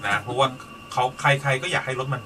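A man reviewing cars in casual, joking talk, telling driving stories with lively humor. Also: medium pitch, quick pace, far from the mic. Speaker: car reviewer.

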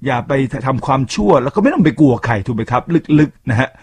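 A man's voice: medium pitch, big pitch swings, fast talker, darkish tone, breathy edge. A man hosting a radio talk show, talking chattily to his listeners with frequent asides. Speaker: radio host.

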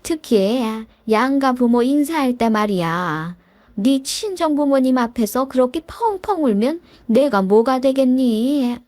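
A woman's voice: high voice, lively intonation, a little slow, dry recording. A woman voicing a stern, reproachful middle-aged mother-in-law in a read story. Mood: scolding. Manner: reproachful, sharp questioning.

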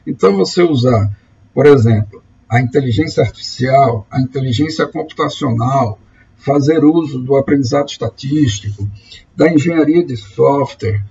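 Husky gravelly guy lecturing online, lots of restarts and tag questions, kinda dull lo-fi audio. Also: medium pitch, normal speed, dark tone. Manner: explanatory, restarts words, many "né?" tags. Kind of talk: online lecture over slides. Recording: dull lo-fi recording.

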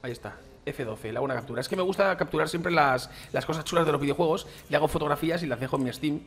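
Racing through his commentary in a slightly high, fairly bright voice, this Spanish gaming YouTuber chats casually as he plays. His Spain Spanish is full of slang, and he addresses viewers directly, calling them "chicos" and "tío".

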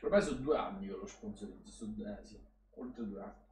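A young man hosting a casual live-stream match reaction, talking loosely and bursting into shouts at big plays. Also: lowish voice, a little fast, far from the mic. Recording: roomy and off-mic, faint background hum.

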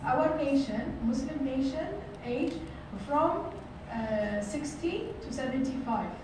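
Woman, middle-aged, high voice, motivational workshop talk, echoey conference room, far-off camera, noisy. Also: lively intonation, slow pace. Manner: earnest, repeats phrases, many fillers. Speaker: workshop speaker. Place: large hotel conference room.

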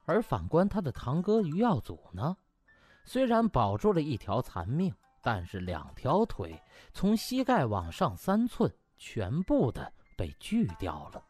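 A man's voice: a little high, huge pitch swings, measured pace, darkish tone, husky, dry recording, soft background music. A man reading a story as an audiobook narrator, dramatic and emphatic in his scripted delivery.

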